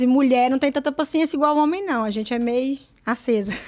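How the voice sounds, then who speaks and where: This woman's voice sits high in pitch. It moves up and down in an ordinary way. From Minas Gerais, Brazil (Belo Horizonte / Pitangui). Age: 40s. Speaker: lawyer and politician. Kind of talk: interview.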